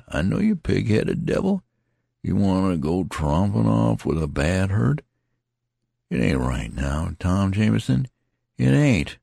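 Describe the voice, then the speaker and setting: Man voicing a rambling wounded soldier, slurred country drawl, husky and gravelly, pitch swooping wide. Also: warm tone, dry recording, clean studio sound, heavily acted. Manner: pleading, repetitive, plaintive. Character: wounded, rambling, folksy male soldier, dazed.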